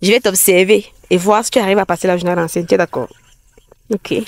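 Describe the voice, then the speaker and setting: The speech runs at a very fast pace, broken by long, frequent pauses. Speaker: couple vlogger. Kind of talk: casual vlog talk to camera.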